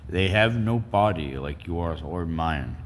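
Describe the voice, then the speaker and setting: Man acting a wounded alien, deep, drawn-out, solemn, grave, halting, storybook character, slight background noise. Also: animated, big-room sound. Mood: solemn warning. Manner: slow, grave, halting warnings. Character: dying male alien, solemn, wounded, wise.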